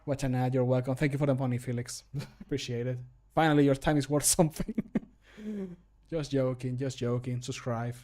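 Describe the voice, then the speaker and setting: A man's voice: medium pitch, steady tone, fairly quick, mellow. A man in his thirties chatting casually on a livestream in a jokey, self-deprecating, sweary way. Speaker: streamer recording mod voice lines. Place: indoor home room.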